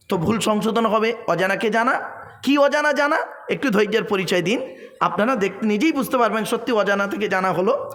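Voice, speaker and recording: A man's voice: sits high, a bit bright. A man preaching a sermon at a large religious gathering, quizzing the crowd with questions and laughing often in a playful, teasing way. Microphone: stage microphone. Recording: echoey open-air PA sound.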